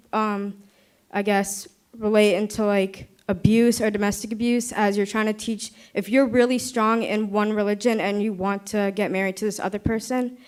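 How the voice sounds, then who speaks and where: A woman's voice: mid-range voice, clear, resonant tone. A young woman, a student, earnestly giving her opinion at a youth dialogue in repetitive, searching phrases.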